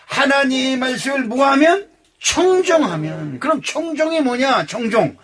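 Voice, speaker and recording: An older man preaching a sermon as pastor, animated and loud, acting out quotes with bursts of shouting. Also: very high-pitched. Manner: animated, acts out quotes in exclamations.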